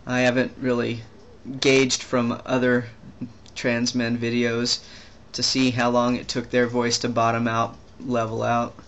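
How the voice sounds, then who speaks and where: A young trans man talking casually in a video diary, rambling and halting with many restarts and fillers. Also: mid-range voice, monotone, a bit bright. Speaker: vlogger.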